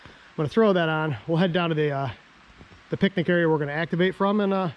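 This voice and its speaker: American guy kinda out of breath, high-ish voice, rambling outdoors, keeps clearing his throat. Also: quick pace, highs cut off. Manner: chatty, self-deprecating, clears throat often. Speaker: ham radio vlogger. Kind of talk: casual outdoor vlog. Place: outdoors on a dam in a park.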